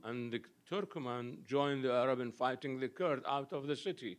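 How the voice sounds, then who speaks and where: A man's voice: mid-range voice, fast talker. A man from Iraq in the audience, telling an earnest, emphatic story and asking the speaker a question. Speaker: audience member.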